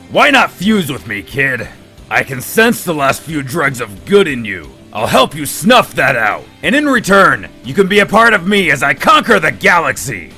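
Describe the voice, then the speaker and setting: Over clear music in the background, a man performs a put-on character voice at a fairly high pitch. His pitch swings very widely while he keeps a moderate pace. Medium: dub.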